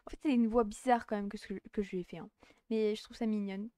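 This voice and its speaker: A woman's voice: mid-range voice, fairly even intonation, quick pace, warm tone, smooth, no echo, clean studio sound. A woman hosting a let's play, chatting casually and joking about herself to viewers. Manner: chatty, self-mocking, talks to viewers. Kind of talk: casual game commentary.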